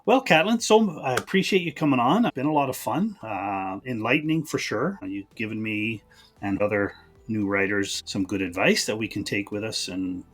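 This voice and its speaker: A man with a slightly low voice hosts an interview podcast. His delivery is conversational and casual, like an informal chat with a guest. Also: moderate pace, slightly rough, faint music behind. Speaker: podcast host.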